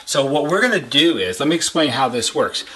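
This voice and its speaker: A man's voice: a little high, big pitch swings, fairly quick, pushed and bright. A man giving an informal how-to demonstration as a repair technician, plain-spoken and step by step, repeating points for emphasis. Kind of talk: informal instructional explanation.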